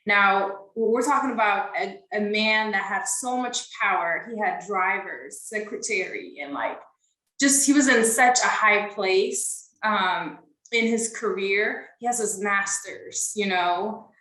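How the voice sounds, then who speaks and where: A woman's voice: medium pitch, takes it slowly, pushed and bright, echoey room, rough recording. A young woman from Ethiopia, a podcast guest, answering interview questions in an earnest, casual way with frequent fillers.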